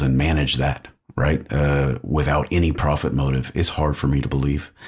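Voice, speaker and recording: A man with a Texan accent speaks at a moderate pace in a very deep, low voice. The recording is very clean, with a silent background. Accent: American, Texan. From Texas, Austin. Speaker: podcast creator and investigator. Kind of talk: interview.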